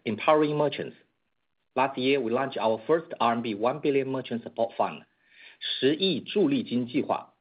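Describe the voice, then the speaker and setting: A phone-like, narrowband line carries a slightly husky male voice. He is a company executive delivering prepared earnings remarks, formal and measured. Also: medium pitch. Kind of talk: prepared corporate presentation on earnings call. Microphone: conference call line.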